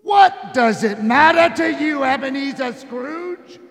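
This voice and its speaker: A man's voice: extremely high pitch, lively intonation, takes it slowly, vocal fry, heavily acted. A man playing a mocking, gleeful ghostly spirit with taunting, theatrical delivery in a live stage radio play. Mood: scornful. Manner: taunting, theatrical delivery with sudden loud swells. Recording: live stage recording in reverberant hall.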